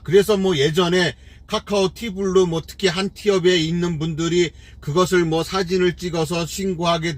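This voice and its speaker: A man's voice: high-pitched, dry recording. A middle-aged man, a taxi driver hosting his own channel, delivers an opinionated commentary full of scolding rhetorical questions and fillers.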